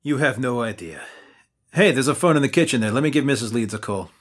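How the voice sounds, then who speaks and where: A man's voice: medium pitch, animated, quick pace, natural voice. A man voicing Adam, a young man who leads the group with a wry, commanding manner, in an amateur audio drama. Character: young man Adam, leader of a monster hunt.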